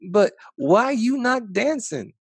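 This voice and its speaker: A man's voice: very high voice, big pitch swings, slow pace, breathy edge, dry recording, studio quality, voice pushed up, heavily acted. A man voicing an anxious, tender little boy in a storybook, asking questions in a plaintive, curious way.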